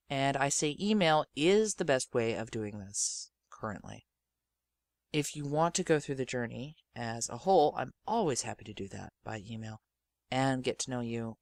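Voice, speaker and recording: A man's voice: mid-range voice, dry recording. A man hosting a podcast, talking informally and directly to listeners in an earnest, emphatic, rambling way. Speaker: podcast and radio drama host.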